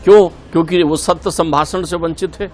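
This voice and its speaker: A man's voice: a little high, fairly even intonation, normal speed, a little mellow. A middle-aged man giving a spiritual talk as a guest in a TV interview, earnest and preaching, repeating key points for emphasis.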